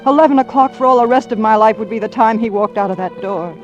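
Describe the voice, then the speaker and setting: A woman's voice: on the high side, fast, highs cut off, natural voice. A woman playing an anxious young wife in a vintage radio drama, narrating her story breathlessly and pleading. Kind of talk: 1940s radio acting. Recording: old radio broadcast with music.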